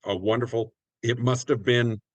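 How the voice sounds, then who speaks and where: A man's voice: medium pitch, fairly even intonation, normal speed, no echo. A middle-aged American man reminiscing casually as a community theater actor in a group interview.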